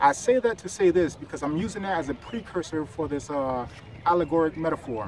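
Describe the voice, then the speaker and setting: Over light background noise, a man with a high pitch speaks at a moderate pace, the sound dry with no echo. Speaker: travel vlogger. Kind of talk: motivational vlog talk. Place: waterside. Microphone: phone near.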